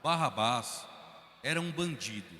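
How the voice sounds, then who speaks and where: Brazilian male narrator, measured, slow, long church reverb. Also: mid-range voice, expressive, bright, forceful tone. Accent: Brazilian Portuguese. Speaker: narrator reader. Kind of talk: liturgical Passion reading. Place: large church.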